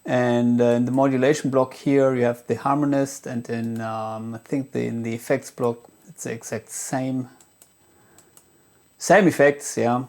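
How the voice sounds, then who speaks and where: A man talking casually through a product demo as a gear reviewer, in a hesitant, halting way as if thinking aloud. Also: mid-range voice, little pitch movement, darkish tone.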